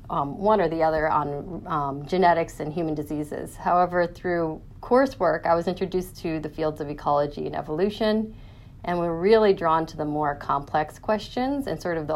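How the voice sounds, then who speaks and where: A woman's voice: fairly low pitch, a little mellow. A woman, an academic guest explaining her research in an interview.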